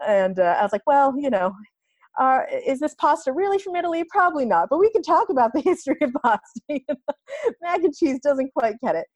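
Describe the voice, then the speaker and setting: A woman in her thirties, a podcast guest chatting casually, laughing often and quick to get animated. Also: high-pitched, dry recording. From United States. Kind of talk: casual interview chat.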